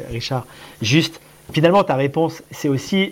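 A man's lively intonation carries his fairly quick delivery. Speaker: bicycle frame company manager. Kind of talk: podcast interview. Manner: halting, many repetitions.

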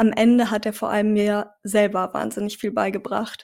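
A woman's medium-pitched, monotone, flat delivery in a very clean recording with a silent background. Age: 20s. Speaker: social media consultant with chronic illness. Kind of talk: casual interview.

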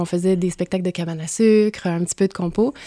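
A woman with a Quebec accent speaks at a moderate pace, her pitch medium and her intonation fairly even. The sound is dry and close, with no echo. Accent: Québécois French. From Quebec, Rosemère. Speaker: musicology professor. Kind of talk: casual chat.

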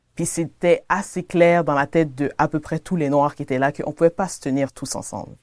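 A woman with a Quebec accent and a very deep, low voice speaks at a moderate pace with hardly any pauses and fairly even intonation, in a very clean recording with a silent background and a dry, close sound with no echo. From Quebec, Le Gardeur suburb. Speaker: interviewee. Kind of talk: interview testimony. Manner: halting.

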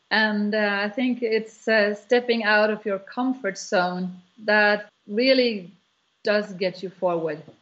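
A woman speaks with a Norwegian accent. Her pace is very slow. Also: medium pitch for a woman, fairly even intonation. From Norway. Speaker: entrepreneur. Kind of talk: interview. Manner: halting, many fillers.

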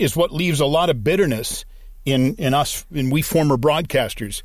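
In a plain, everyday voice, a man with a Canadian accent speaks at a moderate pace, his fairly high pitch showing ordinary variation. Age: 60s. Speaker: voice actor and former radio broadcaster. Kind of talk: casual chat. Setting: remote call from home.

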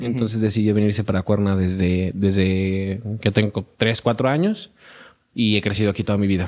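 An unremarkable speaking voice: a man's fairly low pitch, fairly quick pace, fairly even intonation, and very even loudness. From Mexico, Cuernavaca (Morelos). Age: 20s. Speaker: student leader. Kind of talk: casual chat.

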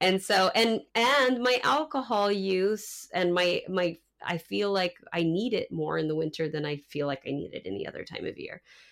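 Over a very clean recording with a silent background, a woman with a normal speaking voice talks at medium pitch and a moderate pace with lively intonation. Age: 40s. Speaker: podcast co-host. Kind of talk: casual chat.

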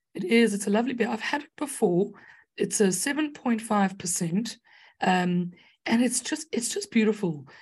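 A woman speaks at a moderate pace with lively intonation and a fairly high pitch. Her voice is somewhat breathy, with big swings in loudness. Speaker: podcast host. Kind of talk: casual chat.

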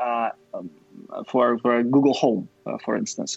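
Someone speaks with a Russian accent over music in the background. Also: man. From Siberia, Russia. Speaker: startup founder. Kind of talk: interview. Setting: video call. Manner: halting.

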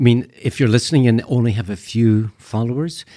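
On a very clean recording with a silent background, a man with a Canadian accent speaks at a moderate pace in a medium pitch with a dark, mellow tone. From Canada. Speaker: festival founder and filmmaker. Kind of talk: casual interview chat. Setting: studio.

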